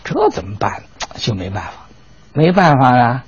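A man telling history in a lively, colloquial lecture with dramatic asides. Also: mid-range voice, normal speed, breathy edge, dry recording, dull audio. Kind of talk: storytelling lecture.

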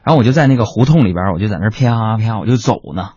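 A man telling a comic story, chatty and animated, talking to his listeners as friends. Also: lowish voice, racing, breathy edge, dry recording. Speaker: comedian. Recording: dry lo-fi recording.

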